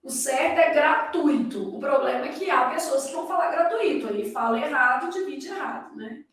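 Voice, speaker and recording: High-voiced Brazilian woman teaching in an echoey room. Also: brisk, fairly bright tone. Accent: Brazilian Portuguese. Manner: explains in a didactic tone, asks the class rhetorical questions. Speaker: grammar teacher. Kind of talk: recorded lecture for exam candidates. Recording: echoey room, voice far from the mic.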